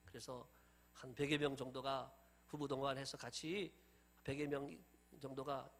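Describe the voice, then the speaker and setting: A middle-aged man preaching a sermon as pastor, animated and acting out scenes in different voices. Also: mid-range voice, moderate pace.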